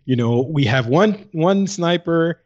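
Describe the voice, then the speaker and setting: A man's voice: fairly high pitch, lively intonation, slow, a little mellow. Man chatting casually, slightly dull lo-fi sound. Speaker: podcast co-host. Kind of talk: casual gaming podcast chat.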